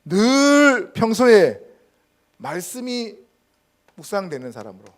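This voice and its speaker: Lively Korean pastor preaching. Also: male voice, sits high, takes it slowly. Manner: emphatic preaching, rhetorical questions to the congregation. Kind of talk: sermon. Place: church sanctuary.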